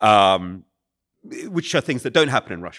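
On a very clean recording with a silent background, a man speaks fairly quickly at a fairly low pitch. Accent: British. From England. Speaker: author on propaganda. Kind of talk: public onstage conversation. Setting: stage with audience. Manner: fast.

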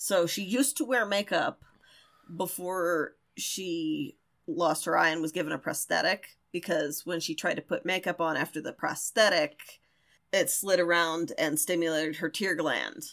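A woman with an American accent and an ordinary speaking voice talks at a moderate pace with lively intonation and a fairly low pitch, in a very clean recording with a silent background. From Maryland. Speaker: podcast co-host. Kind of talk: casual chat.

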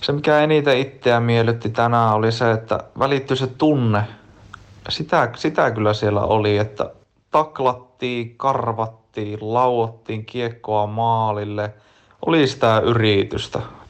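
A man with a medium pitch speaks at a very slow pace with fairly even intonation. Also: very even loudness. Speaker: hockey fan sending voice message. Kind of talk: voice message.

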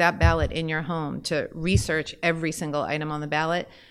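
A woman's fairly low voice with vocal fry and an American accent, at a moderate pace, in a very clean recording with a silent background. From Massachusetts (South Shore of Boston, then Central Massachusetts). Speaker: school board member. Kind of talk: interview.

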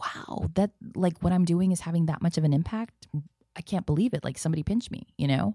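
Very fast and with lively intonation, a woman with an American accent speaks at a fairly low pitch in a dark, mellow, somewhat breathy tone. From US South, Texas, Rio Grande Valley (McAllen). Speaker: actress and university drama professor. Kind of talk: casual interview. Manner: animated.

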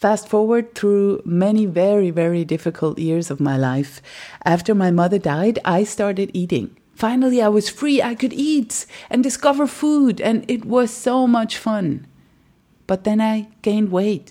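Her intonation lively and her tone dark and mellow, a woman with a Swiss German accent talks at a fairly slow pace and a medium pitch. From Switzerland. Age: 40s. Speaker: podcast host, former radio host. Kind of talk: personal monologue.

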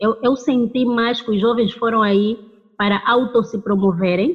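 A woman's unremarkable speaking voice, fairly high in pitch, at a fairly slow pace with ordinary pitch variation. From Angola, Lobito. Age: 20s. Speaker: petroleum engineer and conservationist. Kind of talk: panel discussion.

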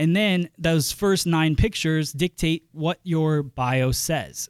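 In a normal speaking voice, a man with an American accent talks at a fairly slow pace with ordinary pitch variation, in a dry, close sound with no echo on a very clean recording with a silent background. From Iowa. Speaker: hairdresser and salon owner, podcast host. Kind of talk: casual solo talk, live tips show. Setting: live stream, audio only. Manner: casual, lots of filler words.

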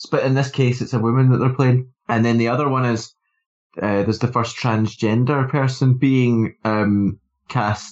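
Using an ordinary speaking voice, a man with a medium pitch talks at a moderate pace with fairly even intonation. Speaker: English teacher. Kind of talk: casual chat.

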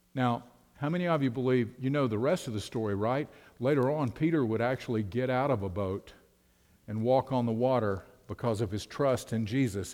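In an American accent, an unremarkable speaking voice moves at a fairly quick pace with ordinary pitch variation. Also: man, medium pitch for a man. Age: 60s. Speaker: interim pastor. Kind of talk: sermon. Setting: church.

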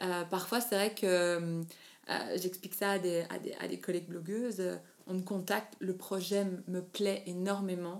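Monotone and flat, a woman's voice moves at a fairly slow pace. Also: medium pitch for a woman. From Belgium. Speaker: fashion blogger and business lawyer. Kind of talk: interview conversation. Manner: halting, many fillers and repetitions.

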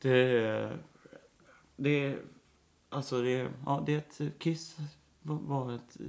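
Speaking very slowly with long, frequent pauses, a man keeps a fairly high pitch and fairly even intonation. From Sweden, Uddevalla (west coast). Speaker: rock guitarist. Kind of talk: casual interview.

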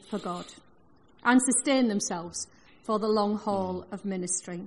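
Moderate tempo and ordinary pitch variation from a woman with a plain, everyday voice. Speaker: host introducing the speaker. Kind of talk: introduction and prayer.

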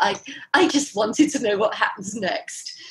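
Over noticeable background noise, a woman speaks with a southern British accent and lively intonation. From southern England, Oxford. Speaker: literary agent. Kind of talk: panel discussion. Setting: video call.

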